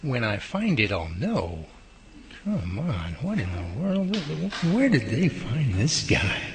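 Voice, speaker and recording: A man's voice: mid-range voice, huge pitch swings, slow, background noise. An actor playing a wry, easily exasperated male professor given to grumbling asides in an audio drama. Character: exasperated, muttering male professor leading Bigfoot researchers.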